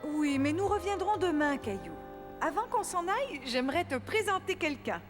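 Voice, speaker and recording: A woman playing a gentle, patient mother in a children's cartoon, speaking in a soothing, reassuring way. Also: extremely high pitch, sing-song, moderate pace, loud music behind the voice. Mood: patient, kindly. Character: gentle, reassuring young mother of a small boy.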